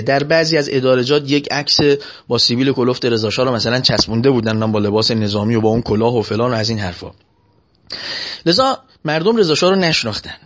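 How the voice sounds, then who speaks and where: Lively, animated male preacher. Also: mid-range voice. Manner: lively storyteller, animated, chants scripture slowly. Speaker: religious preacher. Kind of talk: sermon with storytelling.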